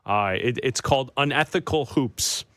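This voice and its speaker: A man's voice: mid-range voice, moderate pace, a bit bright, no room sound. A man hosting a sports radio show, telling stories in a loose, laughing way with fillers. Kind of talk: casual sports talk banter.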